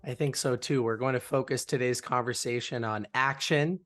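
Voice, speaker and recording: A man's voice: mid-range voice, steady tone, normal speed, a bit bright, faint music behind. Upbeat male podcast host. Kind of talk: interview hosting.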